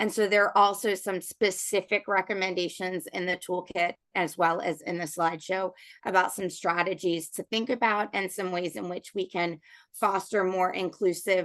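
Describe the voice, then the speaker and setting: A woman talks at a moderate pace in a medium pitch. Her intonation stays fairly even. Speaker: presenter. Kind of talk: lecture. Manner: halting with frequent fillers.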